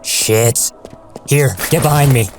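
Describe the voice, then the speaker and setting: An actor playing a gruff, folksy, middle-aged fatherly night guard in an audio drama. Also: mid-range voice, slow pace, music in the background, lightly acted. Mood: surprised, gruff.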